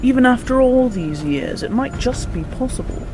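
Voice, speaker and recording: A woman as an animated, inquisitive daughter scientist. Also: on the high side, normal speed, noisy background, close to an everyday voice. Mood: curious, wry. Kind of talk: amateur radio drama acting.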